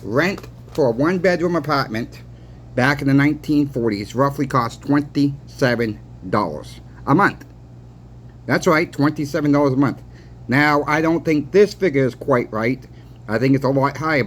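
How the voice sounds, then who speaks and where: A man's voice: medium pitch, moderate pace. A man talking casually to viewers as a plainspoken explainer, repeating his points and posing rhetorical questions. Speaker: host of a coin and silver channel. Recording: clearly noisy background.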